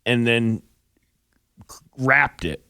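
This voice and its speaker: A man's voice: mid-range voice, animated, slow, pushed and bright, clean tone, no echo. A man co-hosting a morning radio show with casual banter, in a studio.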